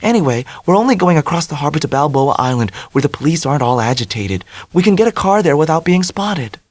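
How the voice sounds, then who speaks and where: A bubbly, breezy young blonde woman, as a male narrator puts her on, raised well above his own low voice. She sounds confident and carefree in an audiobook reading. The sound is dry and close. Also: sing-song, fast talker, dry recording.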